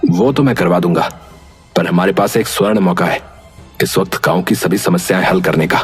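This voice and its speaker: A man playing a sly young village man who talks rapidly and persuasively in a story. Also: sits low, husky, soft background music, voice pushed down. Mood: scheming.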